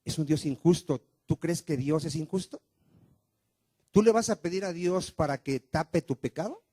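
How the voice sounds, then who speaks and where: A man's voice: fairly high pitch, moderate pace, dark tone, no room sound. A man preaching a sermon as pastor of a church, firing rhetorical questions at the congregation and calling for responses.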